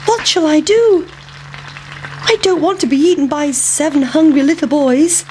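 A woman voicing a small, boastful runaway pancake in a high, taunting voice. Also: normal speed, darkish tone, slight background noise, lightly acted. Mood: worried.

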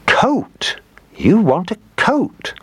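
A kindly old woman, put on by a man, whose voice flutes up into a high, husky falsetto. She dotes on every word in a close, dry storybook reading. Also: huge pitch swings, drawn-out words, fairly bright tone, no room sound, heavily acted. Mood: delighted.

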